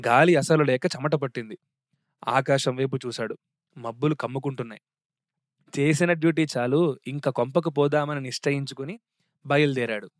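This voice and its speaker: A man narrating a story in a steady, wry reading voice. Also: medium pitch, dry recording, studio quality.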